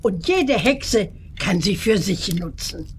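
Our speaker is a witch-school teacher in a children's radio play. She explains slowly and deliberately, with lively melodic intonation, over faint background ambience. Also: mid-range voice, background noise. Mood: measured, instructive. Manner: deliberate, instructive. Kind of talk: children's audio drama acting.

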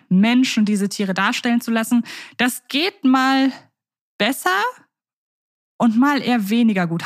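A woman's voice: mid-range voice, no room sound, clean studio sound. A woman co-hosting a podcast, chatting casually, asking questions with the odd ähm. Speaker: podcast co-host.

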